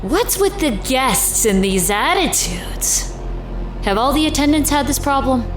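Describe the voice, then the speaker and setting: An actress playing a mocking, sadistic attendant of supernatural rooms in an audio horror drama, crude and playfully menacing. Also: female voice, sits high, very animated, measured pace. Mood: teasing, sardonic. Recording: roomy echo, music underneath.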